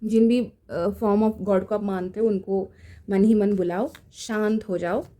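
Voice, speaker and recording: A woman giving a casual tarot reading in a gentle, reassuring way, slipping into English phrases. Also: mid-range voice, fairly even intonation, slow pace. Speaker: tarot reader. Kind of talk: casual spiritual guidance. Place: home room.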